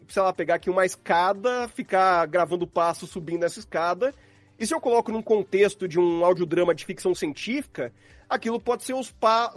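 A Brazilian man with a high voice chats on a podcast. He explains casually through examples and slang, recorded dry and close with music behind. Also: no room sound. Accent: Brazilian Portuguese. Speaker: podcast guest, audio drama sound designer.

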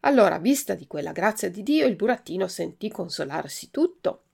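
A woman narrating a children's story aloud in an expressive, lively way. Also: medium pitch, brisk, creaky, slightly rough. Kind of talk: storybook reading.

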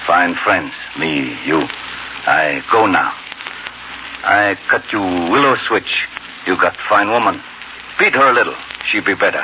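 Through the noise and dull sound of an old 1940s radio drama comes a friendly Native American scout. His voice sits fairly low. He speaks in blunt, clipped broken English, loyal and plain. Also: animated, unhurried, sharp tone, heavily acted. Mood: stolid, friendly. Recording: noisy band-limited 1940s radio recording.

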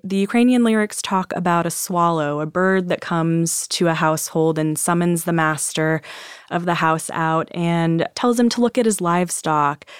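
A woman's voice: fairly low pitch, clean tone, dry recording, studio quality. A woman from California, a journalist being interviewed, explaining things in a plainspoken conversational way. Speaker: journalist guest.

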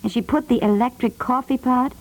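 An actress playing a sensible, gently scolding wife in a 1950s radio comedy, composed and motherly in manner. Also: fairly high pitch, brisk, close to an everyday voice. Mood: soothing.

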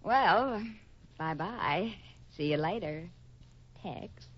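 An actress playing a flirtatious, theatrical movie starlet with a grand, coquettish manner in a 1950s radio western. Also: female voice, lowish voice, animated, very slow, full character voice. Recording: muffled old radio recording.

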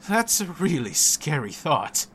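A man's voice: on the high side, big pitch swings, measured pace, a little hiss or hum. A man voicing a friendly, easygoing senior researcher in a spoken story. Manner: easygoing, warm and playful.

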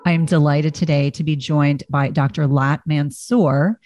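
A woman's voice: low-pitched, steady tone, measured pace, music in the background. A woman, a nurse practitioner, hosting a health podcast with an earnest manner, reading an introduction and then interviewing.

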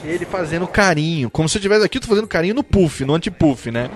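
A man hosting a podcast in casual chat, joking and teasing in an animated way. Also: on the high side, fast, slight background noise. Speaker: podcast host.

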